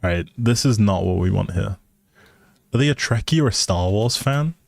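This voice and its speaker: In a studio-quality, dry recording with music behind him, a man chats on a casual livestream as he plays a life simulation game, speaking politely and appreciatively to viewers. His fairly low, gravelly voice has lively intonation and a moderate pace.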